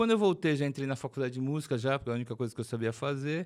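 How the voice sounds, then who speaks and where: A man with a fairly high voice talks in a very clean recording against a silent background. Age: 60s. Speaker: film composer. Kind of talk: podcast interview. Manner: talkative.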